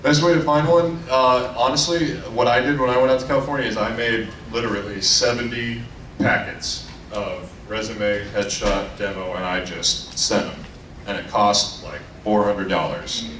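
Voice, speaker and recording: A man with a fairly low voice talks as a voice actor on a convention panel. He is a casual, animated storyteller handing out advice, heard from a distance in an echoey, noisy room. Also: moderate pace. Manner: animated storyteller who acts out quoted lines. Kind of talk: casual anecdotes and advice to an audience. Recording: echoey room, distant mic, clear background noise.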